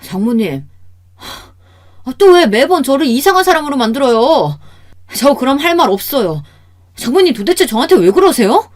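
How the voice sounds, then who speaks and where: A woman's voice: mid-range voice, lively intonation, normal speed, dark tone, slightly rough. A woman voicing a frustrated middle-aged son-in-law who complains with sighing "ah"s. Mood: pleading. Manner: exasperated pleading, sighing "ah" before complaints.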